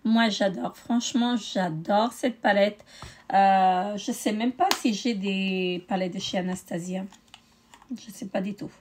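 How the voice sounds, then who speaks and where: A woman's voice: medium pitch, fairly even intonation, unhurried, darkish tone, slight background noise. Tired woman with hesitant chat. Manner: hesitant, many euh fillers. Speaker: beauty vlogger. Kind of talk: casual haul video.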